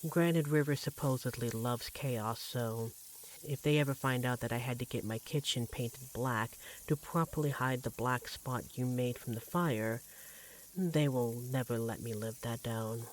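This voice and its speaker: A man playing an affectionate, devoted vampire partner in a roleplay audio drama, speaking in a tender, gently teasing, conversational way. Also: medium pitch, a little slow, lightly acted, poor audio. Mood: teasing, amused. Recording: clearly audible background noise, sizzling kitchen effects.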